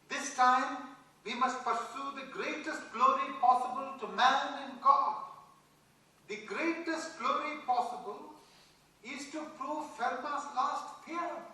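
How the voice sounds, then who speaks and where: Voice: high voice, pushed and bright, exaggerated voice. An actor playing a devout, childlike and intense young Indian male mathematician in a theatrical play reading. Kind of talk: dramatised stage play reading. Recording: distant mic in very echoey hall.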